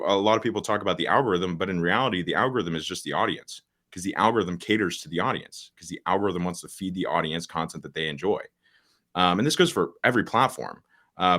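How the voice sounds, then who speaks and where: A teenage man with a very low, deep voice. He speaks plainly and gets straight to the point, often restarting his sentences and filling pauses with "um" as he explains in a casual podcast chat. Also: sharp tone. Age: teens. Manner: straightforward, with frequent restarts and fillers. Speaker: guest, social media agency founder.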